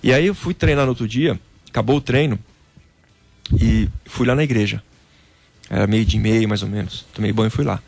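A man from Brazil, a former footballer, telling a personal faith story in a casual interview, animated and peppered with "cara". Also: fairly low pitch, fairly quick, gravelly, long pauses, no room sound.

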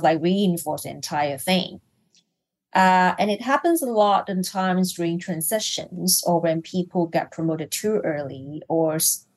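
A middle-aged woman from Hong Kong speaks as a guest in a business interview, her voice sitting a little low. She talks in a thoughtful, searching way, with fillers and restarts as she builds each point. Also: darkish tone, low-quality recording. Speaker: executive coach, guest.

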